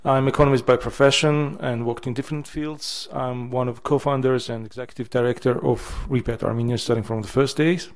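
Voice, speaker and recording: A man's voice: mid-range voice, steady tone, brisk, few pauses. A middle-aged man from Russia, introducing himself on a panel in a lecture hall.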